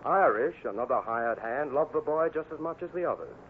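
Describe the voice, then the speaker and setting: Vintage radio announcer, male, mid-pitched, scripted storytelling, narrow band with faint hiss. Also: lively intonation, brisk. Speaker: announcer and narrator. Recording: tinny old radio recording, faint hiss.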